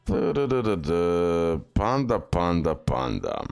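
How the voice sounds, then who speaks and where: Brief: low-voiced male gaming host, casual reading of game stats with ums. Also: sing-song, slow, creaky, darkish tone, clear, resonant tone, soft background music. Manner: reads skill text aloud with fillers and restarts. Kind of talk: game tier list commentary.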